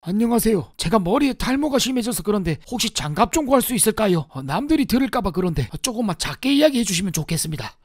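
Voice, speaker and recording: A man's voice: sits high, very animated, quick pace, hardly any pauses, no echo. A man voicing several game characters in a comedic parody dub, often whiny, pleading and wailing. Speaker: parody dubber.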